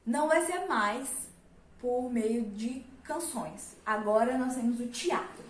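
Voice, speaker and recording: A woman's voice: a little high, slow pace, a little hiss or hum. A young woman teaching a casual literature lesson, chatty, with many fillers and rhetorical questions. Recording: roomy, mic at a distance.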